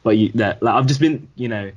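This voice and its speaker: A man's voice: medium pitch, a little fast, slightly rough, dull audio. A young man from Sweden chatting casually on a podcast, swearing freely and filling his talk with "like". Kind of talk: casual chat.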